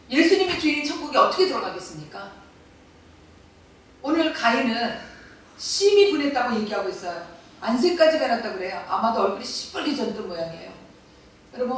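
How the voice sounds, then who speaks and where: A woman's voice: a little high, fairly bright tone. Preaching woman in an echoey hall. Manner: asks the congregation many questions, acts out voices. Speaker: pastor. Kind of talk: sermon. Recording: echoey, distant, faint noise.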